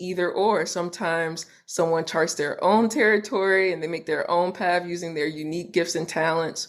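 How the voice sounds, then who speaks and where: On a very clean recording with a silent background, a woman with an American accent speaks at a moderate pace in a fairly low pitch, with fairly even intonation and hardly any pauses. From Richmond, Virginia, US. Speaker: pageant titleholder and singer. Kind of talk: interview.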